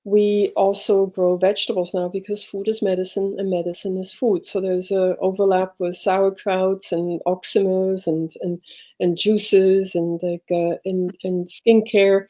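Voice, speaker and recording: A middle-aged woman speaks as a podcast guest, her voice warm and mellow at an ordinary pitch. She tells her story in a reflective, halting way, pausing and circling back as she hunts for the right words. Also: little pitch movement. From Switzerland. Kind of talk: personal storytelling in an interview.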